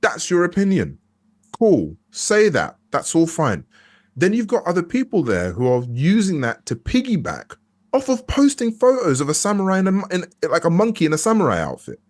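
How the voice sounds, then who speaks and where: A man's voice: high-pitched, huge pitch swings, moderate pace, a little mellow. A young adult man, an actor interviewed as a guest, talking casually and candidly, often restarting his sentences as he thinks aloud. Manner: candid and reflective, with frequent restarts and hesitations.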